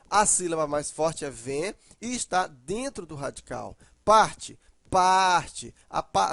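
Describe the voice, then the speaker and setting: High-voiced teacher explaining grammar. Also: male voice, dry recording. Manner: explanatory, frequent tag questions, stresses syllables aloud. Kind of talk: grammar lesson.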